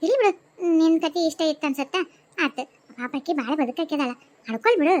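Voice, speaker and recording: A preachy ghost companion from a cartoon, voiced by a woman, talking in North Karnataka Kannada. Her voice is very high and fast. She scolds and lectures like a mother. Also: animated, darkish tone. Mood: advising. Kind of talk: cartoon voice acting.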